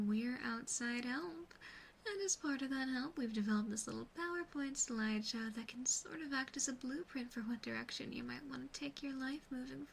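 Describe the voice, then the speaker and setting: A woman voicing an earnest, devoted yandere demon sister in an ASMR roleplay, breathy and often whispering, soft, measured and doting. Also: high voice, slight background noise, poor audio. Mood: gentle, helpful.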